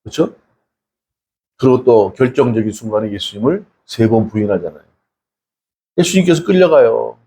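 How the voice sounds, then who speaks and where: A man's voice: mid-range voice, lively intonation, moderate pace, pauses often, warm tone, slightly rough. A male pastor giving a conversational sermon, asking the congregation many rhetorical questions and acting out the people in his stories. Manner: acts out quoted people in a casual spoken tone.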